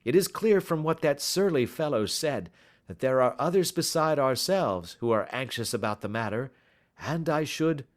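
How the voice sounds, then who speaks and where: A shrewd gentleman detective with a smooth, bland and assured delivery, as a male reader voices him. His speech rises and falls in lively arcs, but he never loses his composure. He sounds like a character in a classic storybook. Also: mid-range voice, moderate pace, pitched above the performer's own voice, close to an everyday voice. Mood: musing.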